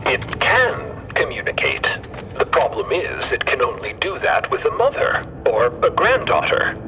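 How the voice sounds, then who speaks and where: A man's voice: mid-range voice, huge pitch swings, measured pace, highs cut off, noisy background. A man playing a skeptical mechanical man in an audio drama, with a radio-like filter on the voice. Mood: insistent, exasperated. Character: skeptical mechanical man with whirring internal machinery. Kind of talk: audio fiction acting. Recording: band-limited radio sound, music underneath.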